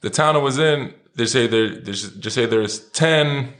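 A man from Lithuania leads a loose, conversational interview. His voice sits in a middle register, and he trips over his words and restarts often. He gets animated when he tells a story. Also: mid-range voice, moderate pace.

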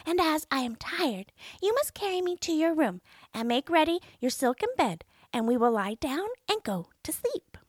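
A woman reading a storybook, voicing a small male enchanted frog who calls in a high, slow, drawn-out way. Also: sing-song, no room sound, studio quality. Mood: demanding.

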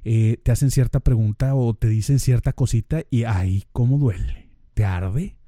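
A man's voice: mid-range voice, normal speed, mellow, no room sound, clean studio sound. A man with a northern Mexican accent hosting a podcast in a casual monologue, speaking straight to the listener and acting out little dialogues. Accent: northern Mexican Spanish. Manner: conversational, addresses listener directly, acts out little dialogues. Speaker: podcast host.

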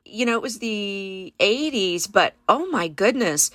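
In a reflective interview, a guest in her fifties from California, a native Spanish speaker, talks earnestly about her past and often starts her sentences over. Her medium-pitched voice is a bit bright and a little slow, with lively intonation and no room sound.

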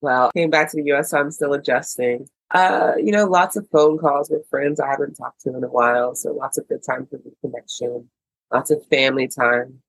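A woman's voice: extremely low pitch, normal speed, husky, dry recording, low-quality recording. An American woman co-hosting a casual podcast chat, chatty and playful. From United States. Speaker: podcast co-host.

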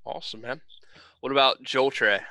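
A man hosting a casual podcast chat, upbeat and joking with quick asides, speaking into a headset. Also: medium pitch, sharp tone, dry recording. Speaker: podcast host and firearms instructor.

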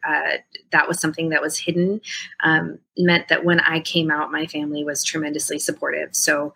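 A woman's voice: sits low, creaky, pushed and bright, breathy edge, rough recording. A woman in her thirties from Ohio, a podcast guest answering questions in a candid, reflective way with many fillers. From Ohio, United States. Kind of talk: interview answers.

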